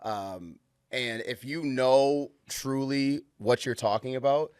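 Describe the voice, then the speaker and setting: A man's voice: mid-range voice, takes it slowly, darkish tone, clean tone, no echo, studio quality. A man hosting a podcast interview, chatty and affirming, with lots of fillers. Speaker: podcast host. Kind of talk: casual interview chat.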